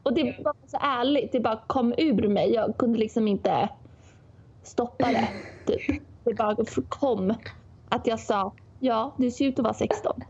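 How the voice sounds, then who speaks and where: A woman telling a story in casual chat, acting out what people said in an animated way. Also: fairly high pitch, husky. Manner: animated storyteller, acts out quotes. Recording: dull lo-fi sound.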